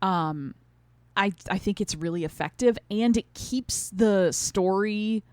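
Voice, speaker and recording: A woman co-hosting a podcast, explaining her opinions in a casual, animated way with lots of "like" and "right?". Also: medium pitch, slow pace, no room sound. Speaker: podcast co-host. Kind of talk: casual conversational review.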